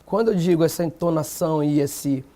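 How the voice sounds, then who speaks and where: High-voiced Brazilian man debating. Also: a little fast, warm tone. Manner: emphatic, rhetorical questions. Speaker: black movement activist guest. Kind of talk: TV panel debate.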